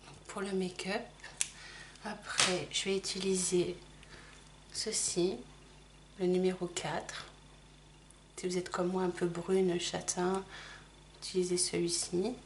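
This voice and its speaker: A woman's voice: lowish voice, flat delivery, slow pace, pauses often, very noisy. Chatty middle-aged woman doing makeup. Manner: chatty, apologetic, talks while applying makeup. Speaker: makeup vlogger. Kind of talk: casual makeup tutorial chat.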